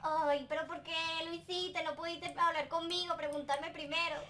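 A woman's voice: very high voice, steady tone, moderate pace, pushed and bright, distant mic, a little hiss or hum. A woman playing a wronged young girlfriend, reproachful yet affectionate, in an improvised Minecraft roleplay.

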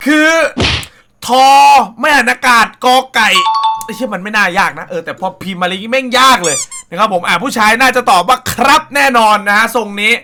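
A young man hosting a casual comedy reaction show, loud and crude, with frequent exclamations. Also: high voice, brisk, soft background music. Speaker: reaction video host.

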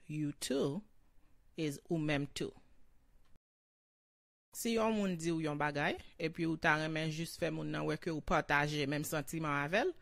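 A woman teaching a bilingual language lesson, explaining and repeating phrases slowly in two languages. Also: deep voice, gravelly, dry recording, clean studio sound. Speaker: Haitian Creole teacher.

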